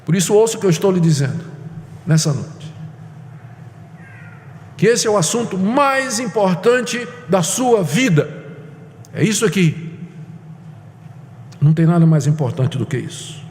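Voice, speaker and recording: A man delivers an urgent, emphatic sermon, hammering points home through repetition. His voice sits high for a man. It carries a long reverb, as in a church hall. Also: very animated, measured pace, long pauses, darkish tone. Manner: emphatic, urgent, repeats for weight. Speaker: preacher.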